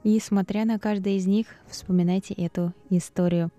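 A woman's voice: medium pitch, fairly even intonation, moderate pace, warm tone. A woman speaking as a public radio host, presenting a scripted cultural programme and addressing listeners directly as she explains and narrates. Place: radio studio.

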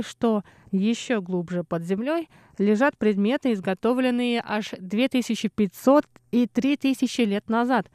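Woman radio host reading a feature, steady newsreader tone, close dry studio mic. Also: a little high, no echo. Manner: measured, even newsreader delivery. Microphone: studio microphone.

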